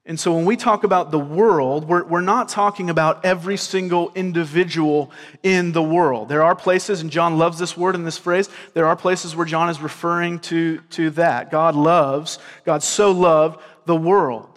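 A man with a Southern US accent preaches in a conversational, earnest tone, repeating words as he works through his point. His voice sits a little higher than most men's. The sound carries a long reverb from the church hall. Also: fairly even intonation, normal speed. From grew up in California and Georgia. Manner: earnest, repeats words, asks the crowd "right?". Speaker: pastor. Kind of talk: sermon.

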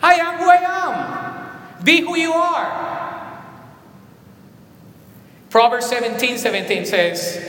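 Colombian-accented pastor preaching in a reverberant hall. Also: male voice, sits high. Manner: animated preaching with emphatic repetitions. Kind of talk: sermon. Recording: echoey hall with long reverb.

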